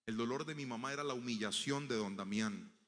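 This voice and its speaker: A man's voice: medium pitch, brisk, in a large hall. A man preaching a sermon, telling a personal story and acting out the voices of the people in it. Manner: storytelling, acting out quoted voices, swelling to loud proclamation.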